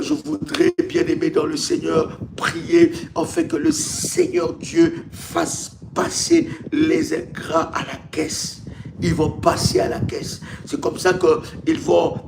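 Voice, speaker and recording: A man's voice: a little high, gravelly. A male pastor preaches on a live stream in an emphatic, repetitive way, with rhetorical questions and stammered restarts. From Congo. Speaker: pastor, ministry leader. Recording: faint background noise, live stream.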